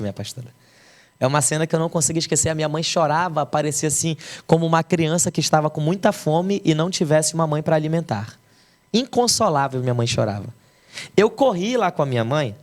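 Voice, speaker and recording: Man, Brazilian pastor, testimony, emotional storyteller, slightly high voice.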